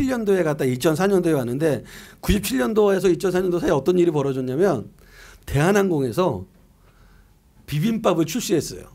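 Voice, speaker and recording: A middle-aged pastor with a slightly mellow, higher-leaning voice delivers a year-end sermon. He reads scripture aloud and conversationally poses questions, then answers them himself.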